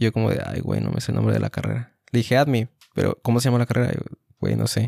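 Recorded dry and close with no echo, a man speaks very fast with a Mexican accent. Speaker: podcast co-host. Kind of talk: casual chat.

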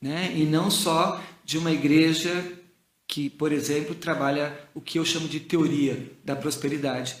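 In an ordinary speaking voice, a man talks at a moderate pace, fairly high in pitch and with fairly even intonation. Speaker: Methodist bishop. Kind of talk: casual interview chat.

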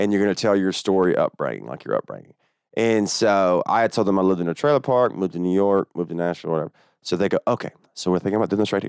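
Speaking at a very fast pace in a Southern US accent, a man uses a fairly low pitch with ordinary variation over a quiet background. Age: 20s. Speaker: comedian. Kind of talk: casual chat. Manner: animated.

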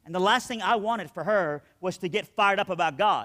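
A man's raised, projected voice with an American accent, high-pitched and bright with a sharp tone, ordinary pitch variation, moderate pace, in a very clean recording with a silent background. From Texas, Killeen. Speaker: guest preacher. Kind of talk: sermon. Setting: church stage with audience. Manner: animated.

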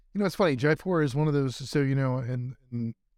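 In a dry, close sound with no echo, a man with a Southern US accent speaks at a moderate pace in a dark, mellow tone. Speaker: podcast host. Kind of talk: casual chat.

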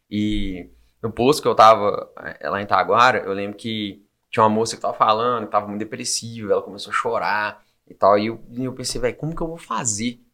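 In a very clean recording with a silent background, a man talks at a fairly quick pace with big swings in loudness. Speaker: podcast co-host.

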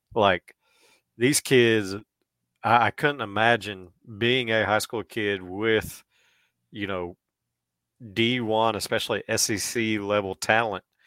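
A man with an American accent, fairly low-pitched, very slow, with long, frequent pauses, a bright, sharp tone, fairly even intonation and a dry, close sound with no echo on a very clean recording with a silent background. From US South. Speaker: sports podcast co-host. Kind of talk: casual chat.

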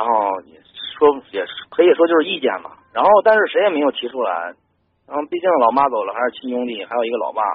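A man talks at a very fast pace. His speech has long, frequent pauses. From Beijing, rural Pinggu district. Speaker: caller, company owner. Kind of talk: call-in personal story. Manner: halting, many fillers.

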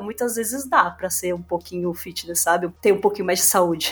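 A woman's very fast speech with lively intonation. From Brazil, Santos (São Paulo state). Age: 30s. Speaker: front-end developer. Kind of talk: casual chat.

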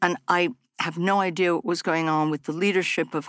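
A woman with an unremarkable speaking voice and an American accent talks at a fairly quick pace and fairly low pitch, with ordinary pitch variation, in a very clean recording with a silent background and a dry, close sound with no echo. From United States. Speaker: war journalist and writer. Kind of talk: interview.

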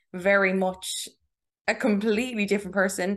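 A woman's medium-pitched voice with an Irish accent and fairly even intonation, over a quiet background. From Ireland, Tipperary. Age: 20s. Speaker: online fitness coach and student. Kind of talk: personal testimony in casual interview.

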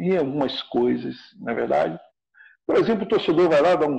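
A man is speaking. His pace is moderate. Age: 60s. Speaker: football club president. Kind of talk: casual interview.

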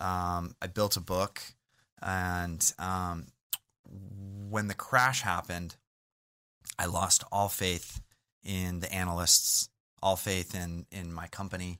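A man with an American accent talks at a very slow pace in a very deep, low pitch, leaving long, frequent pauses and keeping his intonation monotone and flat. His tone is bright and sharp, and the recording is very clean with a silent background. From Southern California. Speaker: commercial real estate broker. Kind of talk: interview. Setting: studio. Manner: halting, many repetitions.

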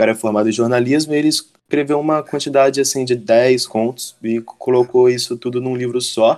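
A man talks at a fairly quick pace, his pitch medium and his intonation fairly even. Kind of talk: casual chat.

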